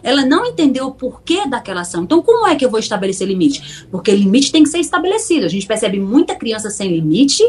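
A middle-aged psychologist from Pernambuco speaks with a Northeastern Brazilian accent. Her voice sits a bit high and moves a lot in pitch as she explains. She keeps slipping into little voiced scenes of parents and children. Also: quick pace, few pauses. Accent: Northeastern Brazilian Portuguese. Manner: animated, acts out parents and children in quoted dialogue. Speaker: psychologist guest. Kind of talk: explanatory interview talk.

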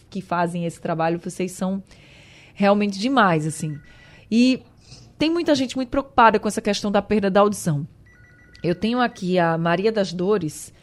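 A woman's voice: medium pitch, darkish tone. A woman from hosting a radio health show, enthusiastic and effusive as she asks questions and introduces listeners' messages. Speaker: radio host.

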